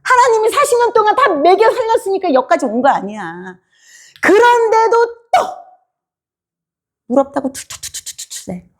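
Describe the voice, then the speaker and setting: A woman's voice: extremely high pitch, big pitch swings, moderate pace, long pauses. A woman preacher giving a sermon in a church, quizzing her congregation and acting out the people she talks about. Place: church sanctuary.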